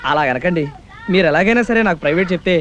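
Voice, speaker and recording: An actor playing a bumbling, overly polite young tailor in comic film dialogue. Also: male voice, sits high, animated, fast talker, dull audio. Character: bumbling young male tailor, pestering and cheeky.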